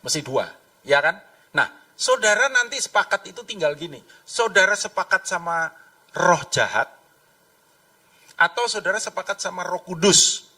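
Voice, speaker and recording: Male preacher, chatty sermon delivery, higher voice, distant church mic. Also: moderate pace. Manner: lively, conversational, acts out voices in his stories. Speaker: pastor.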